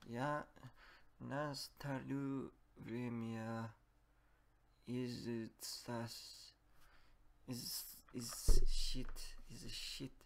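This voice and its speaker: A man whose first language is English practises speaking, slowly and haltingly, repeating words at his computer. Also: medium pitch, level tone, gravelly, a little hiss or hum. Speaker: language learner.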